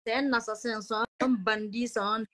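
A woman's voice: a little high, steady tone, normal speed, background noise. A young woman with a Guinean accent, speaking bluntly and scornfully in a heated political chat on a video call. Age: young adult. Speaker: live stream guest. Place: indoor room, video call.

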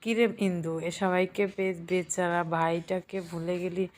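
A woman's voice: fairly low pitch, level tone, moderate pace, lightly acted. A woman voicing a playful, teasing young husband and older brother in an audio story.

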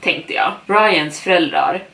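Low-voiced woman reading a horror story. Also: sharp tone, far from the mic. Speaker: storyteller podcast host. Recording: voice somewhat off-mic.

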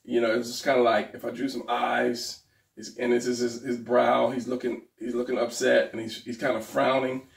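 A man with a gravelly, hoarse voice walks through a drawing lesson, often trailing off into mutters as his pen moves. He sits at a desk, picked up by a mic set some way back, so the voice sounds a little distant. The room adds a noticeable echo. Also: mid-range voice, flat delivery, moderate pace. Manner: talks while drawing, trailing off and muttering to himself. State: losing his voice. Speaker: art instructor. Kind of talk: drawing tutorial while sketching. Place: indoors at a desk. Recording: roomy, slightly distant mic.

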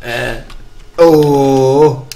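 A young man with an Egyptian accent commentating gameplay, chatty and excitable, laughing often and talking to his viewers. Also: medium pitch, extremely slow, creaky. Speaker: gaming streamer.

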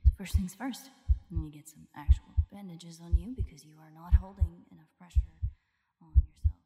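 Woman acting a low-voiced, frantic female vampire. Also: dark tone, natural voice. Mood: desperate, conflicted. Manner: halting, swearing, breathy half-whispers. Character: frantic, foul-mouthed female vampire caring for wounded companion. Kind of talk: audio roleplay, intimate dramatic monologue. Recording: echoey reverberant sound, storm noise behind.

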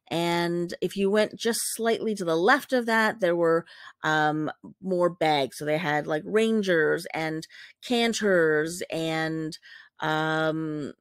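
A woman's voice: on the low side, a bit bright, no room sound. Chatty woman narrating over photos, dry sound. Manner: rambling, many fillers and self-corrections. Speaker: vlogger describing a warehouse sale.

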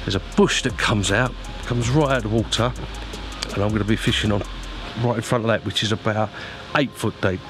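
A man's voice: on the low side, fairly quick, over music. A man chatting casually to viewers as an angler presenting a vlog, informal and matey, giving practical advice.

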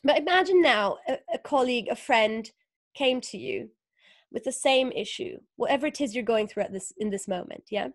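On a video call from a small indoor room, a woman from northern Italy is interviewed as a guest author, reflecting thoughtfully with lots of fillers and rhetorical questions. Her voice is on the high side and expressive at a normal speed. Though captured by a webcam, the sound is dry and clean like a studio.

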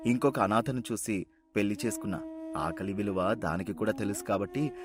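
Kindhearted rural thief, acted by a man, lowish voice, earnest and caring, storybook drama over music. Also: fairly quick, close to an everyday voice. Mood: earnest confession. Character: kindhearted village thief, orphaned, plain-spoken and caring. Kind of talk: story voice acting.

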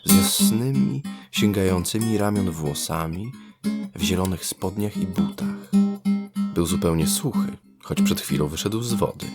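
A man narrating a scripted fairy tale as a storyteller, in a lyrical, expressive manner. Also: low-pitched, a little slow, loud music behind the voice.

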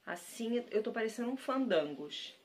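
Here a woman from Brazil does a relaxed haul video, raving about secondhand-shop treasures and addressing viewers head-on. Her voice sits a little high and sounds animated at a moderate pace, over a faint hiss or hum. She keeps repeating her compliments in a chatty, gushing way.

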